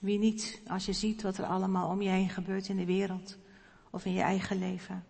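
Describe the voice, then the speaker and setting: Gravelly-voiced woman preaching in a church. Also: mid-range voice, completely flat delivery, fairly quick, a little mellow. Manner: reflective and personal, with hesitant fillers. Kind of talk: sermon. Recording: long church reverb.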